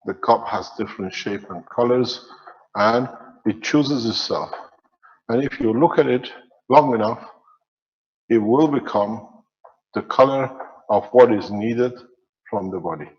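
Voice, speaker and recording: A man teaching in a slow, measured way, his phrases trailing off at the ends. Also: mid-range voice, in a large hall, muffled recording. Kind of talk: spiritual teaching lecture.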